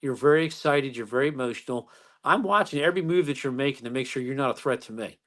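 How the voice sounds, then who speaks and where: A police officer tells stories calmly during a casual interview, his speech full of fillers and restarts. His voice is mid-range and his pace is fast.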